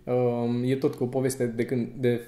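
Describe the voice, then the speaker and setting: A man, a stand-up comedian and podcast co-host, chatting casually and telling anecdotes with lively rises in pitch. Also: reverberant. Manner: animated storyteller, rising pitch when telling anecdotes. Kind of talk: casual chat.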